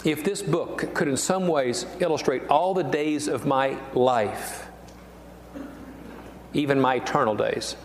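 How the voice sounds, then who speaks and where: A man's voice: medium pitch, slow, a little hiss or hum. An older man, a pastor, preaching a sermon in an earnest, emphatic way and repeating his key phrases. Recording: echoey hall reverb, faint ambience.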